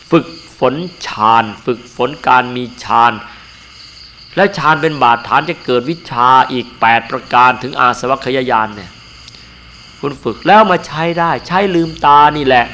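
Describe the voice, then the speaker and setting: An older monk delivers a dharma sermon in an earnest, emphatic teaching manner. His voice sits at an ordinary middle pitch for a man. Faint insect and cricket noise runs behind the recording. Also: pushed and bright.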